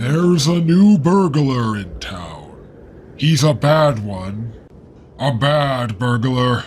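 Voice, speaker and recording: A man puts on a cartoonish character voice at a medium pitch and very slow pace. It has very wide pitch swings and big swings in loudness, with clear background noise. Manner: deadpan, matter-of-fact.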